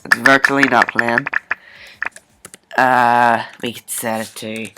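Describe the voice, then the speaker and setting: A man hosting a casual coding screencast, thinking aloud informally and haltingly as he works at his computer. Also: medium pitch, little pitch movement, loud music behind the voice, low-quality recording. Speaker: programming tutorial host. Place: indoors at a computer, screen recording.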